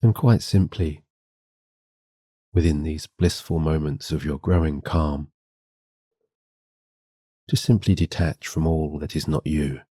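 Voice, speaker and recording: A man giving a scripted sleep hypnosis and guided meditation in a gentle, soothing, guiding way. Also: a bass voice, takes it slowly, pauses often, husky, dry recording, clean studio sound.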